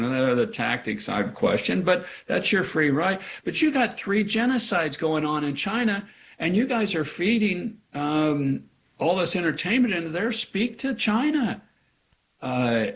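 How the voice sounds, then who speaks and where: A man from Kansas, an author answering interview questions in an earnest way that turns emphatic. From Kansas, USA. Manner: earnest, grows emphatic with sharp pitch rises. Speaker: author guest.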